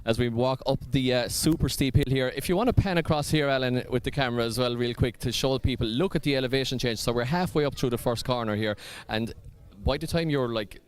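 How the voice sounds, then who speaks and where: A man's voice: mid-range voice, a little fast, hardly any pauses. An Irish man presenting at a drift event, walking the pits and chatting with drivers in an upbeat way. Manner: chatty, upbeat, fills with ums. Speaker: pit lane presenter. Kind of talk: live event pit-walk interviews.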